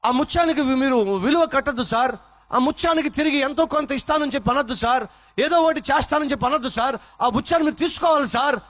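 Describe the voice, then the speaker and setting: A man's voice: very high voice, fast, fairly bright tone, pitched above the performer's own voice. A man voicing a humble grieving male servant who keeps begging his master and repeating "sir". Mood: pleading.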